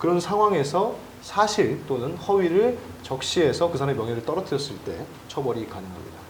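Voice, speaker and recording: A man's fairly high voice at a fairly quick pace, full of very wide pitch swings, with noticeable background noise and audible room echo. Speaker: lawyer. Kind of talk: legal advice talk show. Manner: fast.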